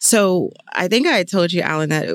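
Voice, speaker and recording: In an ordinary speaking voice with an American accent, a woman speaks at a moderate pace with ordinary pitch variation, on a very clean recording with a silent background and a dry, close sound with no echo. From New York City (Harlem and the Bronx). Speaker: learning and development executive, former professor. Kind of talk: interview.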